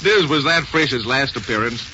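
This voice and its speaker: This is a man in the classic old radio announcer mould of the 1940s. His delivery is polished and formal, with a bright, crisp edge. The sound is a muffled vintage broadcast with faint noise. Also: mid-range voice, expressive, moderate pace. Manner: polished, formal wordy phrasing.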